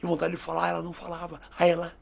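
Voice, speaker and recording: A man's voice: fairly high pitch, racing, creaky. A man, hosting a casual podcast chat and telling stories, acting out the quoted dialogue as he goes. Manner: lively storyteller who acts out quoted dialogue.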